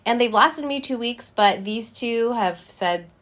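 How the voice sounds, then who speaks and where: A woman's voice: on the high side, unhurried, fairly bright tone. Chatty young woman reviewing lipstick. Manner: chatty, talks to viewers while applying lipstick. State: slightly congested from a cold. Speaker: beauty vlogger. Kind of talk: casual product review.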